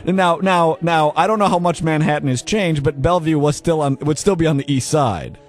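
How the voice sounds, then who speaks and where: A man's voice: on the high side, a little fast, soft background music. A man hosting a comic radio show, teasing his guests with sarcastic, pushy questions.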